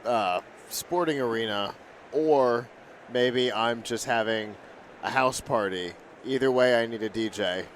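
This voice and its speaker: Male interviewer with mid-pitched voice, some noise. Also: a little slow, hardly any pauses. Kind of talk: casual on-site interview questions. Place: busy tech conference floor. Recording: noisy busy event with background ambience.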